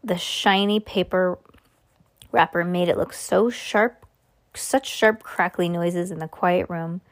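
A woman hosting a podcast, reading a children's book aloud in a relaxed way with small slips. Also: lowish voice, slow pace.

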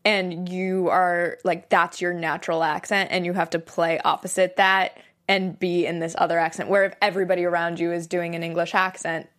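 A woman's voice: lowish voice, level tone, moderate pace, fairly bright tone. A woman co-hosting a casual film discussion, upbeat and filling her speech with "like". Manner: upbeat, says "like" often. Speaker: podcast co-host.

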